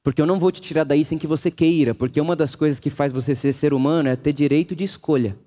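A man with a Brazilian Portuguese accent voicing Jesus in a sermon, speaking calmly and quietly. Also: a little high, fast, lightly acted. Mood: calm, gentle. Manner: calm, quiet, inviting. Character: calm, gentle male Jesus.

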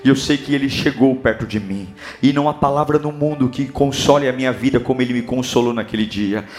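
A Brazilian man preaching a sermon, impassioned, building up to shouting. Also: medium pitch, fast talker. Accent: Brazilian Portuguese.

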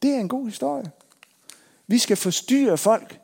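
A man, a pastor preaching a sermon, building emphatic repeated lines and then telling a story in a relaxed way. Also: very high voice, creaky, husky.

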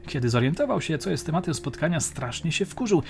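A man narrating a crime audiobook in a measured, dramatic storytelling manner. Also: on the high side, very animated, vocal fry, darkish tone, slight background noise. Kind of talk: audiobook reading.

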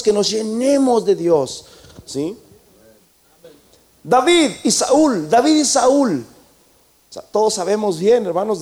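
A man's voice: sits high, darkish tone. A man preaching a sermon, telling a story dramatically and asking the congregation rhetorical questions.

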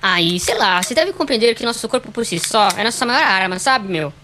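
A woman's voice: medium pitch, lively intonation, fairly quick, pushed and bright, slight background noise. A woman playing a trendy, spacey young pacifist with an affected Brazilian accent, mixing in English, in an amateur radio comedy. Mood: blasé. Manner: affected, dropping English words.

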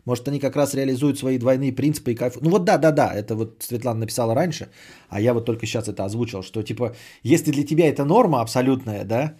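A man's voice: medium pitch, quick pace, mellow, breathy edge. A man hosting a podcast, chatting casually and sardonically as he answers audience messages, often swearing and repeating phrases. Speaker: podcast host.

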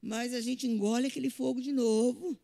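A woman preaches a sermon with a high voice and a gravelly rasp in it. She moves between loud and soft and acts out the voices she quotes. Her voice rings with a long reverb from the hall. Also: fairly even intonation, moderate pace.

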